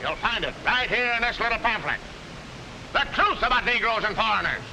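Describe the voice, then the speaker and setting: A man's voice: sits high, animated, brisk, sharp tone, exaggerated voice, rough recording. A man playing a ranting, bigoted street-corner orator in a 1940s film. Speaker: soapbox speaker addressing a crowd. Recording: hissy 1940s film soundtrack.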